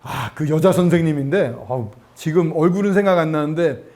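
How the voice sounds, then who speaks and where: High-voiced man preaching a lively sermon. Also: a little fast. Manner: animated storytelling, acting out quoted voices. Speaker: preacher at student gospel camp. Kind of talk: sermon with personal story.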